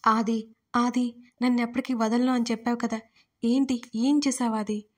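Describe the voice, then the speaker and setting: A grieving young woman pleads and sobs her way through each line of an audio storybook, voiced by a woman reading the tale. Her voice sits fairly high with little rise and fall. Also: little pitch movement, normal speed, close to an everyday voice. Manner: pleading, sobbing delivery.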